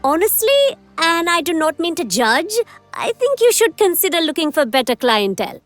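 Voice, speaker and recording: A woman's voice: very high-pitched, big pitch swings, normal speed, fairly bright tone, no room sound, faint music behind, heavily acted. An actress voicing a chummy, earnest young woman mercenary in a video game, emphatic and bubbly. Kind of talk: video game character acting.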